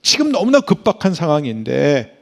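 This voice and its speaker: Middle-aged man, pastor; raspy, gravelly tone, preaches with sudden hushes and loud, emphatic climaxes. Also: fairly high pitch, huge pitch swings, fairly quick. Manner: dramatic, swings from hushed whispers to loud emphatic bursts. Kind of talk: sermon.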